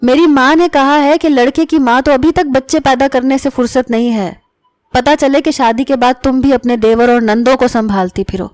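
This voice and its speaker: A woman's voice: high-pitched, darkish tone, close to an everyday voice. A woman reading the lines of a proud young woman who scolds sharply, in a storybook narration. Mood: indignant.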